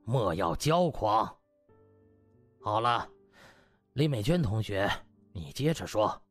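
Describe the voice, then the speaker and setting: A man plays a stern elderly hospital director in an audiobook, pitched low. He lectures in a lofty, deliberate way, with faint music underneath. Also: heavily acted.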